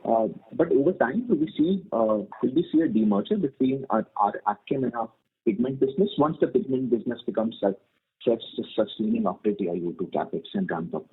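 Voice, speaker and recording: A man's voice: medium pitch, big pitch swings, a little fast, husky. A man with an Indian accent, an investor politely and hesitantly putting questions on an earnings call. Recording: muffled narrowband phone line.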